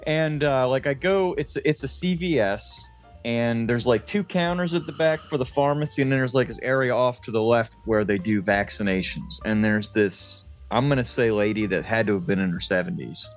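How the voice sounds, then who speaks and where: A man co-hosting a comedy podcast, telling casual, profane anecdotes in a chatty, animated way. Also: mid-range voice, moderate pace, faint music behind. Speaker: podcast co-host. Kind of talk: casual comic storytelling chat.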